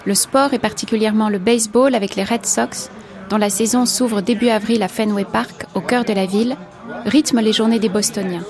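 Woman, radio documentary narrator, measured, composed, scripted. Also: medium pitch, steady tone, crowd noise.

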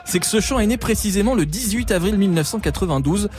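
A man with a French accent presenting football song clips in lively radio banter, quick and often laughing. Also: high voice. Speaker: radio sports chronicler.

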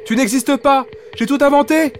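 A man's voice: normal speed, a little mellow, a little hiss or hum, lightly acted. A man doing a bossy mean boy cousin. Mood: panicked. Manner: mocking, then shrill and panicked.

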